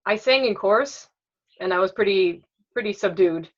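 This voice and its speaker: A woman's voice: mid-range voice, normal speed, highs cut off. A woman who grew up in Sweden, telling her life story candidly and reflectively in a documentary interview.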